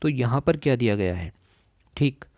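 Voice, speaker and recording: A man's voice: mid-range voice, animated, darkish tone, no room sound. Man teaching exam prep, dry sound. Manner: explains in Hindi, switches to slow, deliberate English for quoted lines; frequent "theek hai" and "alright" check-ins with the listener. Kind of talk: recorded lesson reading through a magazine.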